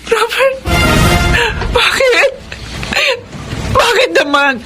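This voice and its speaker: A woman's voice: very high voice, big pitch swings, extremely slow, over music, full character voice. An actress playing a long-suffering, forgiving disabled wife and mother in a Filipino radio melodrama. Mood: tearful pleading.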